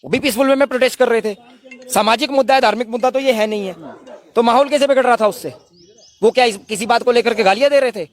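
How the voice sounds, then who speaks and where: A man's voice: extremely high pitch, quick pace. A man making an impassioned, emphatic statement to reporters at a protest, full of indignant rhetorical questions. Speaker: protest spokesman.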